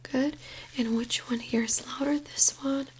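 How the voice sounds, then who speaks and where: A woman softly whispering in an ASMR medical exam roleplay, giving slow, gentle, attentive instructions as the examiner. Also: sits high, fairly even intonation, a little hiss or hum, low-quality recording. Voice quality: soft breathy whisper.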